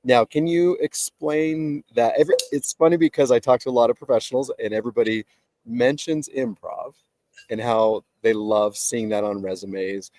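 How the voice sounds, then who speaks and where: A man hosting a live interview over a video call from outdoors, asking measured questions with many fillers, his voice nasal and stuffed up from allergies. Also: mid-range voice, fairly even intonation, a little mellow, dry recording, rough recording. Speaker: host.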